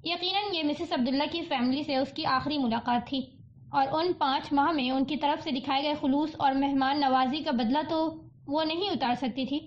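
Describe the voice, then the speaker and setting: A woman narrating a novel as an audiobook, with an even storytelling delivery. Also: high-pitched. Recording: dull lo-fi audiobook recording.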